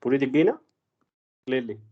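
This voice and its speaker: A man's voice: medium pitch, big pitch swings, a little slow, breathy edge, narrow, tinny audio. A man teaching an exam math problem in a classroom, mixing Hindi with English math terms and quizzing his students.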